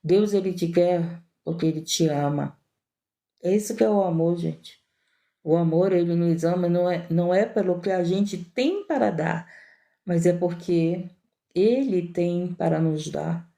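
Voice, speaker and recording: A woman's voice: lowish voice, unhurried, gravelly, mellow. A woman missionary with a Brazilian Portuguese accent, preaching a fervent sermon full of repetition and direct appeals to her listeners.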